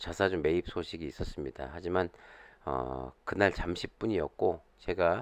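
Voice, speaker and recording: A man speaks fairly slowly in a very deep, low voice with vocal fry. His pitch moves by ordinary amounts. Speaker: stock market YouTuber. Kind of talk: stock market commentary. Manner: many fillers, hesitant.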